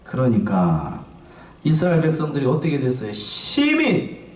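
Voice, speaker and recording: A man's voice: on the high side, normal speed. Male pastor preaching, playful, asks the room questions, echoey church, mic far off. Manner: lively, questioning the congregation, playful. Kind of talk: sermon. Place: church sanctuary.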